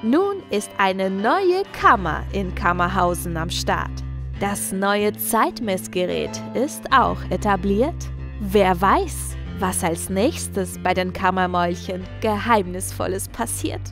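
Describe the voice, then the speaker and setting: A woman's voice: medium pitch, lively intonation, slow pace. A woman narrator reading a scripted children's audio drama narration and its credits. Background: music.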